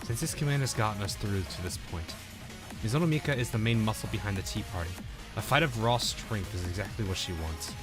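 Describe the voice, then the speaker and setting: A man plays a tired tactical squad leader from a game, low and grave. The delivery is measured and serious, with faint music behind. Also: lively intonation, lightly acted.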